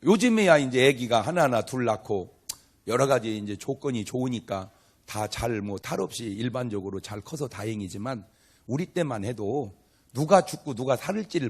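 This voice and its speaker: An older male pastor with a husky, mid-range voice preaches a funny revival sermon to a live congregation. He tells stories in a chatty way, acts out dialogue, and keeps quizzing and bantering with the crowd.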